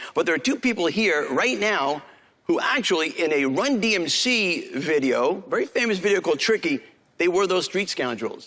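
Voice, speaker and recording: Speaking at a fairly quick pace with a New York accent, a man lets his pitch swing very widely. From New York City. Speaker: magician. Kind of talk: stage magic performance. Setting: stage with audience. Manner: fast.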